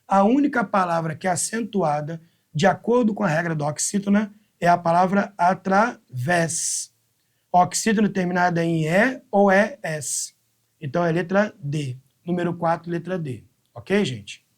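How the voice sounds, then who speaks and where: A male Brazilian Portuguese teacher giving a live exam-prep lesson, explaining step by step and counting syllables out slowly. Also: sits high, animated.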